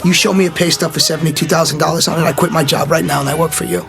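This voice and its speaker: A man's voice: on the high side, fairly even intonation, very fast, vocal fry. An actor playing a brash young man who bluntly presses about money, over music from a film clip. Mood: incredulous. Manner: blunt, incredulous, impulsive.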